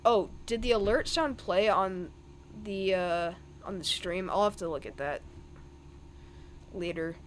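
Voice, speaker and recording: A man's voice: sits high, a little slow, a bit bright, a little hiss or hum. A young man giving live weather commentary on a stream, thinking aloud over the radar with plenty of ums and restarts.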